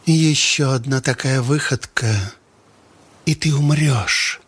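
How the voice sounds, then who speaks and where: A man's voice: mid-range voice, fairly even intonation, slow, a bit bright, husky, pitched above the performer's own voice. Hissing menacing tribal woman, as a male narrator puts her on. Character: harsh bald female tribal missionary leader.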